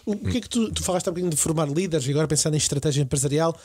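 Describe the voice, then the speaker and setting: A man's voice: on the high side, very fast, darkish tone, slightly rough. A man with a European Portuguese accent asking questions conversationally as a podcast co-host. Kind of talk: conversational interviewing.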